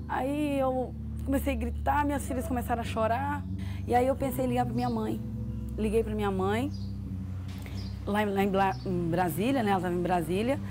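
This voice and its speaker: A woman vividly retelling a personal testimony, often quoting dialogue and asking "sabe?". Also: on the high side. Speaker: testimony giver. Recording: music underneath.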